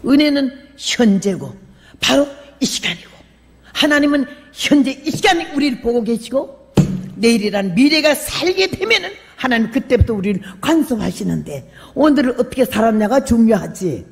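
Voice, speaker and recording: An older woman missionary preaching a sermon, telling her own story with lively acted-out voices and sudden shouts. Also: on the high side, moderate pace, gravelly, a little hiss or hum. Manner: animated storyteller, acts out quoted voices, bursts into shouts. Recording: long hall reverb.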